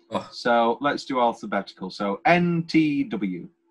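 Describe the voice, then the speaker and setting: The speaker has a British accent. The intonation is lively. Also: man. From England. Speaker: film podcast co-host. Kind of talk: casual chat. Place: home room. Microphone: video call.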